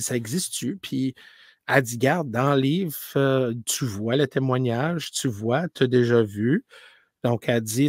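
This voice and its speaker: Animated bilingual man telling stories, dry sound. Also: medium pitch, dry recording. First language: English. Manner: animated storyteller, many restarts, mixes in English words. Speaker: paranormal live streamer, guest. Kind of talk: casual interview chat.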